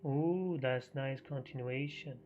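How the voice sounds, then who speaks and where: A man hosting a live trading stream, half losing his voice, talking through the market in a halting, think-aloud way. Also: medium pitch, slight background noise. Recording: muffled stream audio with faint music.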